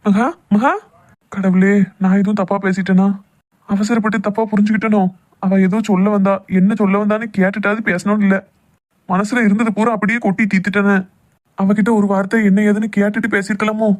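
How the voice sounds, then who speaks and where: Man acting a fast-talking, hurt young Tamil lover. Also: high-pitched, flat delivery, lightly acted. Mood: worried, remorseful. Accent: southern Tamil Nadu Tamil. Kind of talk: amateur cartoon love drama voice acting.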